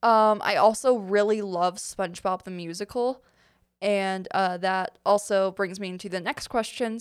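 Captured very cleanly with no background sound at all, the words come at a medium speed. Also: woman. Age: 20s. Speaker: student podcast host. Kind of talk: casual chat. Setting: studio.

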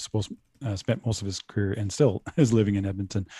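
Speaking at a moderate pace, a man with a fairly low pitch and a dark, mellow, somewhat breathy tone keeps his intonation fairly even in a dry, close sound with no echo. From Canada. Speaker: jazz musician. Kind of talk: casual interview. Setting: video call.

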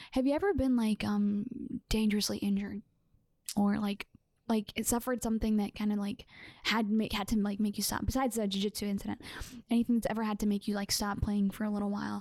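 Somewhat breathy and monotone, a woman talks at a very fast pace with flat intonation. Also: medium pitch for a woman, very clean recording, silent background. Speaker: podcast host. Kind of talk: casual interview chat.

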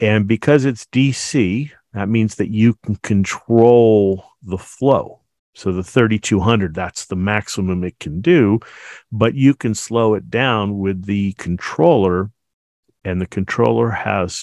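Over a quiet background, a man with an American accent and fairly low pitch speaks very slowly, his loudness swinging widely, in a dry, close sound with no echo. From California. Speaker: aquarium products podcast host. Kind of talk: casual product-review chat.

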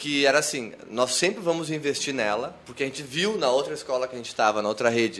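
A southern Brazilian accent over noticeable background noise. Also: man. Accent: southern Brazilian (gaúcho) Portuguese. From Rio Grande do Sul, Santa Maria. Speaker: language school founder, entrepreneur. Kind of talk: casual chat.

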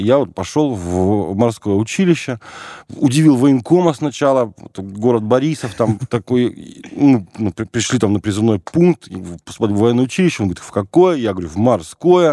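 In a very clean recording with a silent background, a man with a dark, mellow tone and medium pitch talks at a moderate pace, his intonation lively and his loudness swinging widely. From Belarus. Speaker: retired navy submarine officer and author. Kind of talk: casual interview.

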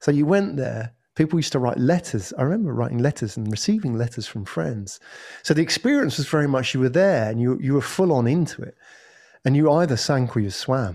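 A man speaks with an English accent at medium pitch. His intonation is lively. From England. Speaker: entrepreneur. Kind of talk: interview. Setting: remote call.

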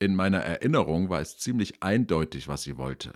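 With a very deep, low voice and vocal fry, a man talks at a moderate pace with lively intonation. The recording is very clean, with a silent background and a dry, close sound with no echo. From Lower Franconia, Germany (Rottendorf near Würzburg). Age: middle-aged. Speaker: podcaster. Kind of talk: scripted narration.

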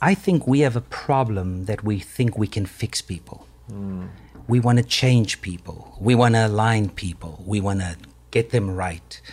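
Someone speaks with a South African accent at a fairly slow pace. Pitch variation is ordinary. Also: man, fairly low pitch for a man. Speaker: pastor. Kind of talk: casual chat.

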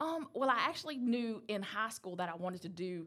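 In a Southern US accent, a woman speaks at a fairly quick pace. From US South. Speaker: radiology technologist. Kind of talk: casual chat.

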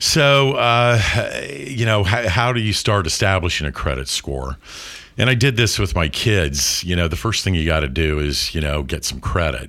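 A man's very deep, low voice, bright and sharp in tone, with vocal fry and very wide pitch swings. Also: moderate pace. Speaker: college finance executive. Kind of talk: interview.

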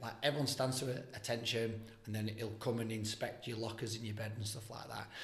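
A man speaks with an English accent at a fairly quick pace. His voice is somewhat breathy. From England. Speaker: former professional footballer. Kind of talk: casual chat. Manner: controls stammer.

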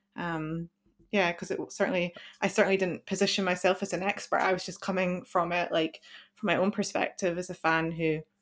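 A woman with a Scottish accent talks at a fairly quick pace in a fairly low pitch. Her intonation is monotone and flat, on a very clean recording with a silent background. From Scotland. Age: 30s. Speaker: podcast co-host. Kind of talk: casual chat. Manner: fast talker.

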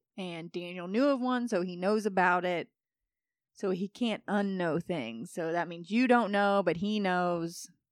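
Speaking with a Midwestern US accent, a woman uses ordinary pitch variation. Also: medium pitch for a woman, fairly slow pace. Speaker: true crime podcast host. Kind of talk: casual chat with storytelling of a true crime case.

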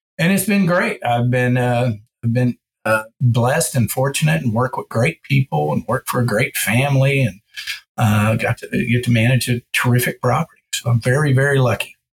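In a Texan accent, a man talks at a moderate pace with a medium pitch and lively intonation. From Texas, hill country. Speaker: wildlife biologist. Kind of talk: interview.

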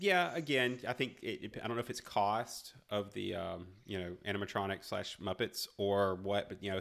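At a moderate pace, a man speaks in a normal speaking voice with fairly low pitch on a very clean recording with a silent background. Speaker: podcast co-host. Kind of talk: casual chat podcast, recap and banter.

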